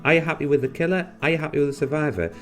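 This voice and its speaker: Over soft background music, a slightly high-voiced man races through his words. He hosts a gaming channel and gives casual guide commentary on new characters and abilities, with a dry, sarcastic jab here and there.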